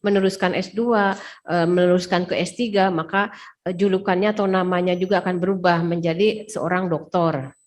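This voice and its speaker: A woman's voice: fairly low pitch, fairly even intonation, normal speed. A woman interpreting a lecture over a video call, rephrasing each passage with frequent hesitation fillers. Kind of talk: consecutive interpreting.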